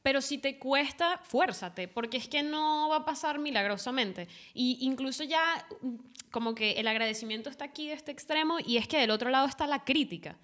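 A woman's voice: high-pitched, a little fast, a bit bright. A young woman co-hosting a podcast, speaking firmly in casual chat on a desk mic. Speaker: podcast host. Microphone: desk microphone.

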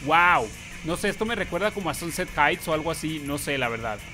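Excitable high-voiced gaming YouTuber man. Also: a little fast, faint music behind. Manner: excitable, loud exclamations and playful yelps. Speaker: YouTube gamer host. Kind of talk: gameplay commentary.

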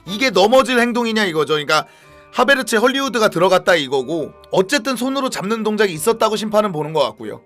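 A man streaming a football match, reacting live with chatty commentary and bursts of shouting at the big moments. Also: high-pitched, very animated, quick pace, soft background music.

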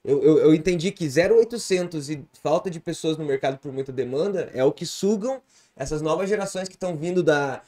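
Slangy, rambling guest from Brazil. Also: male voice, fairly high pitch, fairly quick, mellow. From Santa Catarina, Brazil. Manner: slangy, rambling, many fillers and restarts; gestures a lot with his hands. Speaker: podcast guest, comedian and producer. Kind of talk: casual podcast conversation. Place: small podcast studio with bookshelf. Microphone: boom studio mic close.

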